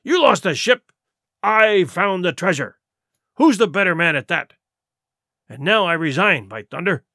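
A man's voice: high-pitched, very animated, unhurried, pushed and bright, dry recording, clean studio sound, full character voice. A man voicing a cunning old pirate cook. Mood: scornful. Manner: menacing, rough sailor's speech.

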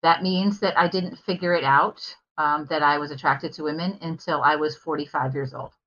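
A woman's voice: sits low, fairly even intonation, moderate pace, fairly bright tone. A middle-aged woman, a life coach, telling her personal story openly and earnestly as a podcast guest. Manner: open and earnest, with fillers. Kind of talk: candid interview storytelling. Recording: dull lo-fi remote audio.

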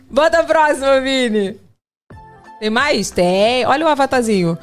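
A woman's voice: sits high, slow pace, soft background music. A woman hosting a playful family podcast, laughing often and coaxing her toddler to speak. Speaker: podcast host. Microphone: studio podcast mic.

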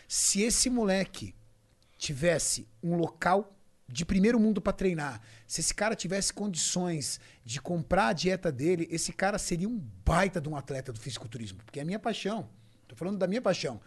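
Brazilian guy, kinda high voice, emphatic storyteller on a podcast. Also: lively intonation, moderate pace. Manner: emphatic, acts out quoted dialogue. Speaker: bodybuilding champion guest.

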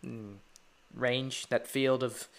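A man's voice: mid-range voice, little pitch movement, takes it slowly, vocal fry. A teenage boy hosting his own podcast, rambling casually and eagerly as a devoted fan. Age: teens. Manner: rambling, enthusiastic fan chat. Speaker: podcast host. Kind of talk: casual solo podcast talk.

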